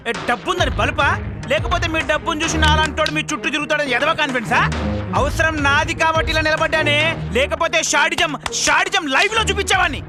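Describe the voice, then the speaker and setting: A man's voice: high voice, expressive, brisk, pauses often, music in the background. An actor playing a desperate, pushy real estate salesman in a comic film, who wheedles and pleads with a customer and rants in asides. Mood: ranting.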